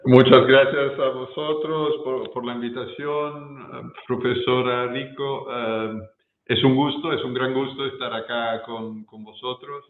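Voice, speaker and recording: A man with an Italian accent gives an academic talk in a roomy, echoing space, with slightly muffled sound. He speaks slowly and hesitantly, doubling back on words as a non-native speaker feeling for the next one. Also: medium pitch, fairly even intonation, a little hiss or hum. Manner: halting, hesitant, repeats words while searching for them. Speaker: guest speaker, professor. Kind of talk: academic presentation. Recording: echoey room, muffled lo-fi sound.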